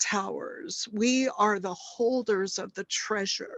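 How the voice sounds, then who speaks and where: Speaking very slowly, a woman with a fairly high pitch uses lively intonation, the sound dry and close with no echo. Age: 70s. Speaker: Buddhist practitioner, interfaith panel speaker. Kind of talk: personal talk at virtual interfaith panel. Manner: halting, many fillers.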